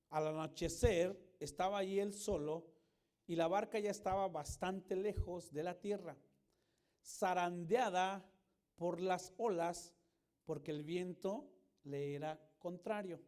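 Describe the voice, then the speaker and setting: A male pastor giving a lively sermon in a church, joking with the congregation and acting out scenes. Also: sits high. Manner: animated, jokes with the congregation, acts out voices and screams. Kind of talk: lively sermon with acted-out anecdotes.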